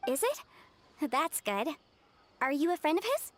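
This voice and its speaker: A woman voicing a caring, brisk, protective young sister in an anime-style video game. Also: sits high, very animated, a bit bright, soft background music, heavily acted. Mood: friendly.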